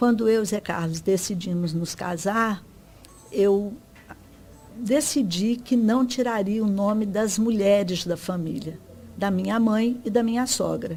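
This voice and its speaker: Music plays in the background. The speaker goes at a fairly slow pace with ordinary pitch variation. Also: woman, medium pitch for a woman. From Brazil, Itaperuna in northern Rio de Janeiro state, near Minas Gerais. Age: 70s. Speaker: interview guest telling her life story. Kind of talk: casual interview.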